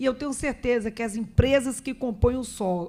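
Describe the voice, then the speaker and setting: Recorded very cleanly with a silent background, a woman speaks at a fairly slow pace with ordinary pitch variation. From Bahia, Brazil. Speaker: state legislator. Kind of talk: formal closing speech at a meeting. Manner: halting with self-corrections.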